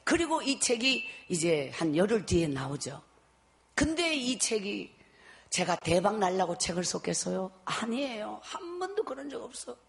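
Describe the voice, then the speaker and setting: A middle-aged woman, giving an emotional personal faith testimony that swings from loud pleading to a hushed murmur. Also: medium pitch, very animated, moderate pace, gravelly. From Guryongpo area, South Korea. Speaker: testimony speaker.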